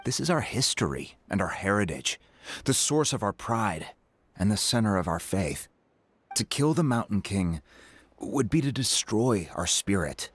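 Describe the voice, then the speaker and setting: An actor playing a dignified, earnest middle-aged tribal chief in a video game, speaking formally and courteously. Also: male voice, fairly low pitch, sing-song, unhurried, slightly rough, exaggerated voice. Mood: solemn, earnest.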